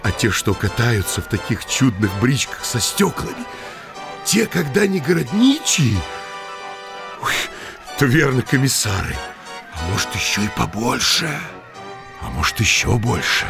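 An actor playing a naive, awestruck young village blacksmith in an audio drama, exclaiming in a folksy, wondering way. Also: male voice, medium pitch, very animated, unhurried, creaky, pauses often, over music. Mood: awestruck, musing. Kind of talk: theatrical audio drama acting.

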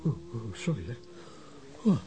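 An actor playing a weary, reticent middle-aged police detective in a naturalistic radio drama, speaking haltingly with murmured filler words. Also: male voice, mid-range voice, very animated, mellow, a little hiss or hum. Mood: tired, awkward.

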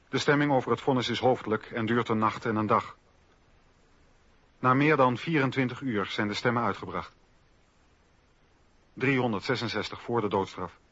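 A man narrating a scripted historical radio documentary in a measured, factual way. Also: mid-range voice, fairly bright tone, slightly rough, no room sound, muffled recording.

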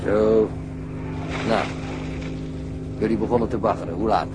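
A man's voice: fairly low pitch, unhurried, natural voice. Man playing terse policeman over boat noise. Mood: calm, businesslike. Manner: terse, steady questioning. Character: calm, businesslike local police investigator, rather glum. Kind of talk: radio drama acting. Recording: clear motorboat engine noise behind. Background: boat engine.

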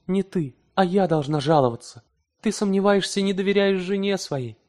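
A man voicing a devoted young wife who speaks with calm, dignified pride. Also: high-pitched, normal speed, voice pushed up, natural voice. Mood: firm.

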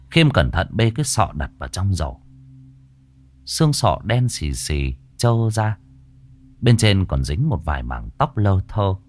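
A man narrating a horror story in a vivid, lively storytelling manner. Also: deep voice.

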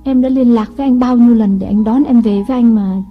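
A woman voicing a scheming young wife with a soft, coaxing way of talking in a story reading. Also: fairly high pitch, fast, narrow, tinny audio, soft background music, close to an everyday voice. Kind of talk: audiobook dialogue reading.

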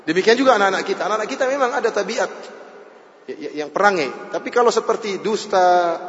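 A man's voice: sits high, quick pace, a bit bright. A man preaching an emphatic religious lecture to an audience, often repeating his key points. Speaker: Islamic preacher. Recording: echoey hall, dull lo-fi sound.

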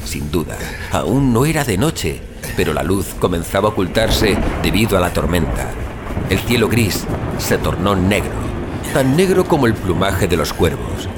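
A man's voice: sits low, very animated, moderate pace, background noise. A man playing a weary, frightened explorer who recounts his ordeal in solemn, literary, suspenseful first-person audio fiction. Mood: ominous. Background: music bed.

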